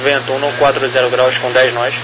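A man's voice: mid-range voice, flat delivery, normal speed. Brazilian tower controller, man over noisy radio. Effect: crackly radio transmission. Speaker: tower air traffic controller. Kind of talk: air traffic control radio phraseology. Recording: noisy radio with engine-like ambience.

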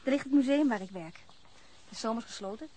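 A woman's voice: a little high, fast talker, warm tone, lightly acted. An actress playing a forward, easygoing young woman in a radio drama, chatty and inviting. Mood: relaxed, inviting. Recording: noisy radio play with background ambience.

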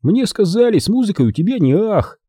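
Grinning, jaunty boy musician, high and bouncy, a man voicing him. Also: very animated, brisk, slightly rough, no room sound, studio quality, full character voice. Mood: breezy. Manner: bright, jaunty, brash.

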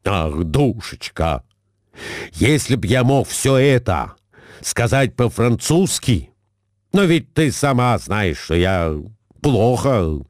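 A man's voice: medium pitch, very animated, slow pace, no room sound, clean studio sound. A man voicing a flustered middle-aged husband who swings from meek muttering to indignant bluster. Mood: sheepish.

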